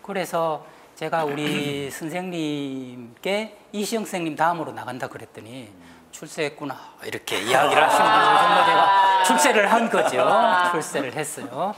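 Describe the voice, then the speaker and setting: A woman giving a lively talk show lecture, acting out little scenes and having the panel repeat her lines. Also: deep voice, moderate pace, background noise. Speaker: guest lecturer on stress.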